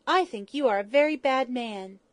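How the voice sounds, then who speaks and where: A woman plays a frank young storybook girl. She has a high voice and a dry, close sound, and she speaks in a blunt, questioning way. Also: moderate pace, no room sound, natural voice. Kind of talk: dramatized audiobook reading.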